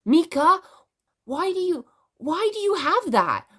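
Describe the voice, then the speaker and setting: A woman's voice: extremely high pitch, very animated, slow, voice pushed up, full character voice. A woman voicing an eager, wide-eyed young girl in a storybook narration. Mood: stunned, eager.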